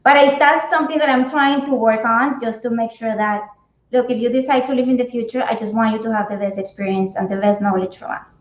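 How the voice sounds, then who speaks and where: A fairly high-voiced woman from Colombia talks earnestly through her answers, circling back and repeating words as she goes. Her voice comes through a dull, muffled video call from an echoey room. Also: steady tone, brisk. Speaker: cannabis company HR guest. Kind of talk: interview answers. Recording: echoey, dull remote audio.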